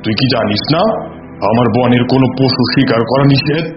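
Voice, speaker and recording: A man's voice: mid-range voice, brisk, close to an everyday voice. A man voicing a proud, stern lion king in a children's cartoon, pompous and commanding. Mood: stern, indignant. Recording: dull, echoey audio with music.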